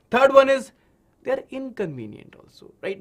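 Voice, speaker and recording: A man with an Indian accent, fairly quick in pace and lively in intonation. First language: Hindi. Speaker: online tutor. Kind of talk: online class lecture. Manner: animated.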